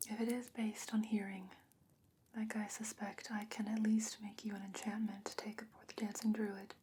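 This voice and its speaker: Whispering, calm fantasy sorceress played by a woman. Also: medium pitch, slight background noise, close to an everyday voice. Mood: grave, caring. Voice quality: breathy whisper. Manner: hushed, measured, deliberate. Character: calm, knowing fantasy sorceress potion-maker. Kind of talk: soft-spoken whispered ASMR roleplay.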